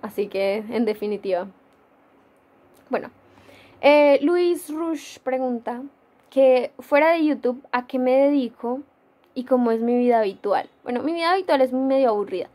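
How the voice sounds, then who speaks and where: Young Colombian woman, fairly high voice, rambling chatty webcam vlog, laughs often. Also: normal speed, a little mellow. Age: young adult. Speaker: gaming YouTuber. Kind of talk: casual Q&A vlog. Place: dim room at home.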